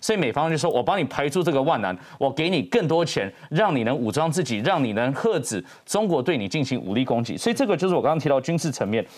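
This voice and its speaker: A man speaks at a very fast pace with vocal fry. His fairly high pitch makes very wide swings. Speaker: former diplomat and political candidate. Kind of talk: political talk show discussion.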